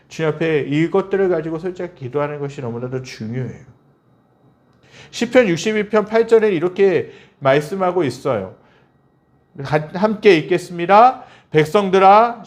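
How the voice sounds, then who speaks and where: A male pastor preaching a Sunday sermon, asking the congregation questions and acting out prayers in a lifted voice. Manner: acts out prayers and quoted speech with a lifted pitch; asks the congregation rhetorical questions.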